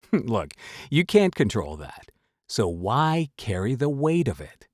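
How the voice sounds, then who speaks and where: A man hosting a motivational advice talk, emphatic and semi-scripted, with dramatic pauses. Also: medium pitch, big pitch swings, darkish tone, dry recording, clean studio sound. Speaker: host, voice-over coach.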